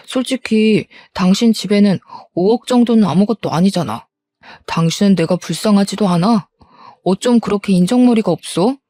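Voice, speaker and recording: A resentful, self-pitying middle-aged husband, voiced by a woman reading a family drama story. The voice is dark and mellow, recorded close and dry with no room sound. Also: medium pitch, dry recording, natural voice. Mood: pleading. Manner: pleading then defiant, self-pitying.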